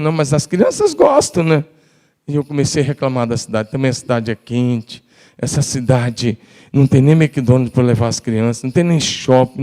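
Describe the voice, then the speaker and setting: A man's voice: medium pitch, warm tone. A middle-aged man preaching a sermon in a large church, telling personal stories and building to emphatic exhortation. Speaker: pastor.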